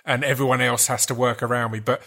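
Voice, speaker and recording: A man's voice: mid-range voice, flat delivery, fast talker, gravelly, pushed and bright. A man with an Essex accent hosting a casual, conversational podcast interview. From Essex, England. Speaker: podcast host.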